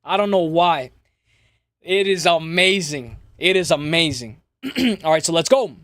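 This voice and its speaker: A man hosting a casual live fight-preview stream, with a slightly raspy voice, slangy and chummy, repeating phrases and addressing viewers directly. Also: fairly high pitch, expressive, a little slow, a bit bright, no room sound, clean studio sound. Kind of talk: casual livestream chat and fight commentary.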